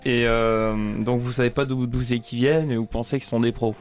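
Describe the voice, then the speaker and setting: Colloquial male role-player, medium pitch. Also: fairly even intonation, normal speed, soft background music. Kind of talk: in-character role-play dialogue.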